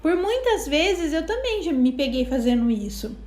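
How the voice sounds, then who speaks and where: Co-hosting a live self-knowledge talk, this woman speaks at a moderate pace in a high voice, recorded in an echoey room. She explains casually and stays animated, performing little dialogues as she goes.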